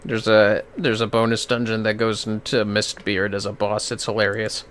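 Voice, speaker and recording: A man's voice: fairly low pitch, monotone, moderate pace, fairly bright tone, a little hiss or hum. A man giving casual commentary while livestreaming a video game.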